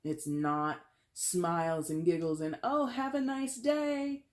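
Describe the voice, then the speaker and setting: Woman tarot reader with a fairly deep voice, chatty and animated, talks in loose run-on phrases. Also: slow pace. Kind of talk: casual tarot reading monologue.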